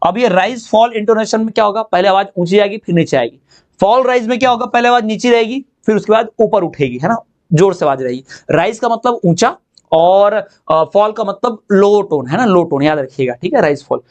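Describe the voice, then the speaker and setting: A high-voiced man gives an exam-prep lecture. He explains mostly in Hindi, often asking and answering his own questions. When he reads the English definitions, he slows down sharply. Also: a little mellow. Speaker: teacher.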